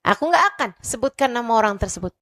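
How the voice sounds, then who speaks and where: Lively woman preacher telling stories. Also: a little high, fast. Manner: lively storytelling, acts out voices of the people in her stories. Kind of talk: sermon to young women.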